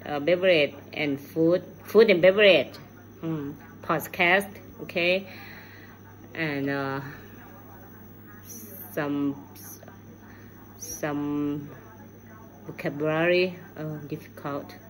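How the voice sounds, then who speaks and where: A middle-aged woman from Thailand, with a Thai accent, records an informal, unscripted video message on a phone held at arm's length in a room at home. Her low voice keeps a fairly even intonation as she speaks extremely slowly in learner's English, hesitating to find words. Clear background noise runs behind her on a rough recording.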